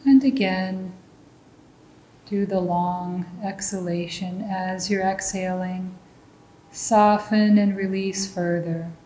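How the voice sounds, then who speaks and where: A woman leading a guided meditation as a teacher, giving calm, gentle instructions. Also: slow. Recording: roomy echo, faint low rumbling noise.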